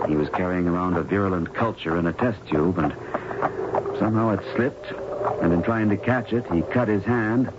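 An actor playing an earnest, polite young doctor in a 1970s radio drama, slightly hesitant. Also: male voice, deep voice, normal speed, natural voice. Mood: sober. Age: young adult. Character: earnest young male doctor fresh from medical school. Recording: muffled, very noisy old radio broadcast.

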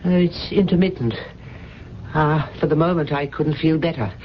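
An actor playing a courteous, melancholy household manservant with a formal, hesitant manner, in 1970s radio drama style. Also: male voice, fairly high pitch, normal speed, lightly acted. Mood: tender, sad. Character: courteous, melancholy ailing male household servant. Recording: dull, noisy 1970s radio broadcast.

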